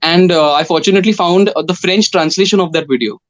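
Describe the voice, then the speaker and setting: A young man with an Indian English accent, a voice and dubbing artist answering interview questions in a thoughtful, measured way with frequent pauses. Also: high voice, muffled recording.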